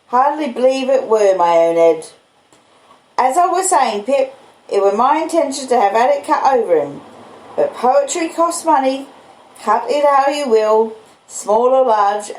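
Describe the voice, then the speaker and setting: Woman voicing an earnest rustic blacksmith, raised lilting pitch. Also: expressive, a little slow, a little mellow, roomy sound, low-quality recording. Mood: proud, amazed, then wistful. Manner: rustic dialect, earnest, meandering storytelling. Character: simple, kindly uneducated adult male blacksmith, earnest and rambling.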